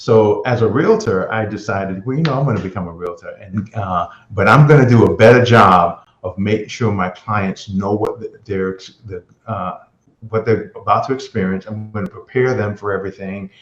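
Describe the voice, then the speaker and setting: A man speaks at a fairly low pitch and a moderate pace. His voice is somewhat breathy, with ordinary pitch variation. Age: 60s. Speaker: real estate agent. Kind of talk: interview.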